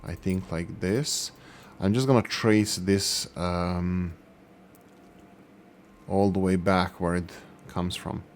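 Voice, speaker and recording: A man's voice: sits low, fairly even intonation, takes it slowly, pauses often, a little hiss or hum. A man hosting a gaming channel, giving gameplay commentary and thinking aloud as he works through production numbers.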